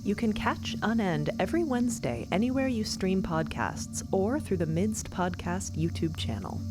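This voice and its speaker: A woman reading scripted dramatic narration in a deliberate, descriptive manner. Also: mid-range voice, big pitch swings, music in the background.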